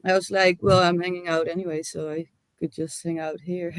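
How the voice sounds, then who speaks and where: A woman guest chatting casually on a livestream, relaxed and hesitant with many fillers. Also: fairly low pitch, moderate pace, no echo. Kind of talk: casual chat.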